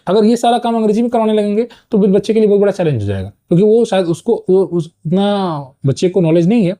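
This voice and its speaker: A man teaching an online exam-prep lecture, explaining points and checking in with quick "okay"s, mixing English terms into his talk. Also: high-pitched, expressive, mellow.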